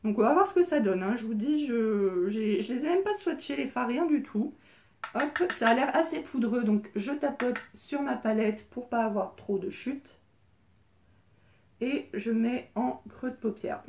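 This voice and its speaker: A woman giving a casual makeup tutorial as a beauty vlogger, chatty and hesitant, with many filler pauses. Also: on the high side, vocal fry, darkish tone. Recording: roomy echo.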